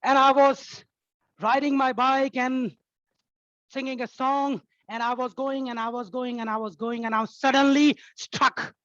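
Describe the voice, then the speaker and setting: A woman telling a tall tale as a theatrical contest speech, in short, halting, dramatic phrases. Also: sits high, steady tone, a bit bright, dry recording, muffled recording.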